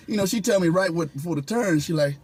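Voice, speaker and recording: A man's voice: sits high, lively intonation, fast talker, a little mellow, a little hiss or hum. A man telling casual stories as a guest comedian, slangy and profane, often laughing and acting out what people said. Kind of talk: animated casual storytelling with acted-out quotes.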